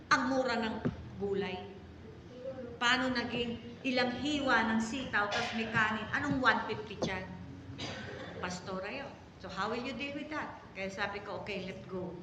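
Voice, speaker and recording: A middle-aged Filipino woman pastor preaching a story-filled sermon, with sudden loud exclamations and drawn-out emphasis. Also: a little high. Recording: echoey hall reverb, faint background noise.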